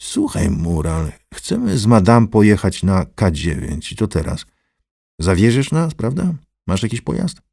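A man voicing an arrogant middle-aged man who barks orders and needles others with sardonic scorn. His voice is low, dark and husky, and the sound is dry and close. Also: very animated, measured pace, dry recording, full character voice. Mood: commanding. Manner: commanding, haughty, sardonic.

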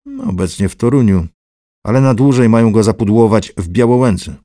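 A man's voice: on the low side, expressive, fairly quick, mellow, no echo, clean studio sound, pitched above the performer's own voice, natural voice. A man putting on a coarse jeering street fixer. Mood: cheeky. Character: rough, mocking middle-aged male street fixer.

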